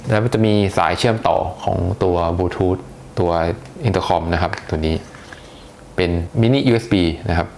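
Male tech reviewer, low gravelly voice, chatty unboxing, faint hiss behind. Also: measured pace, a little mellow. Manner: chatty, hesitant, lots of polite particles.

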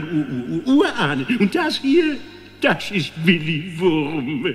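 A man's voice: sits high, a bit bright, long reverb tail, exaggerated voice. An actor playing a jolly, tippling old woodworm who tells his story in a theatrical, chuckling, rambling way for a children's audio play. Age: older.

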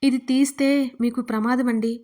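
A woman's voice: a little high, fairly even intonation, moderate pace, natural voice. A woman reading a tearful young bride. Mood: pleading, tearful. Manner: pleading, soft and tearful. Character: frightened young bride, tearful but stubborn.

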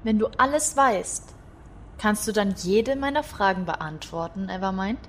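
A woman playing a calm, thoughtful psychologist in a science fiction audio drama, speaking carefully and with gentle questioning. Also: mid-range voice, a little slow, a little hiss or hum, natural voice. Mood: probing.

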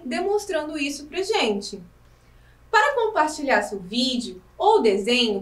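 A woman with a high, sing-song voice teaches small children, slow and clear, asking them questions as she goes. She stands a bit back from the mic in an echoey room. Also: fairly bright tone, distant mic. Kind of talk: recorded lesson for young children.

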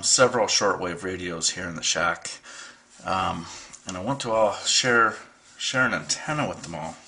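A man's voice: lowish voice, pushed and bright. A middle-aged man, a radio hobbyist, casually explaining gear at home on a desk camera mic, with many ums and restarts. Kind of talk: casual how-to video. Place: home radio room, at a table.

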